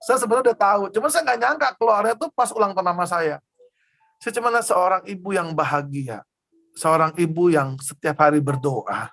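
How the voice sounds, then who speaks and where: A man's voice: high-pitched, lively intonation, fairly quick, a bit bright. A man preaching a testimony sermon, telling his story with emotion and often addressing his listeners directly. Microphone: Zoom broadcast.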